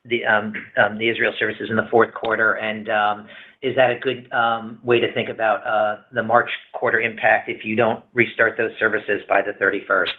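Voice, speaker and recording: A man's voice: on the low side, level tone, moderate pace. A man working as a financial analyst, asking a question on an earnings call in a casual, hesitant way, searching for words. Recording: muffled narrow phone-line audio.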